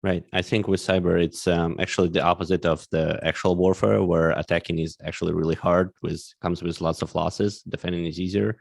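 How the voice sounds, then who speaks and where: A man's voice: low voice, flat delivery, a little fast, gravelly, few pauses, dry recording, clean studio sound. A man hosting a podcast, asking questions casually and hesitantly, with many ums and uhs. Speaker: podcast host, interviewer.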